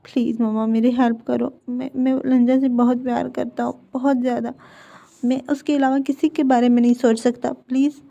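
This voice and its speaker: A woman's voice: on the high side, little pitch movement, fairly quick, gravelly, dark tone. A woman voicing a stammering pleading young man. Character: young man, anxious and pleading about a forced marriage. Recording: dull lo-fi recording.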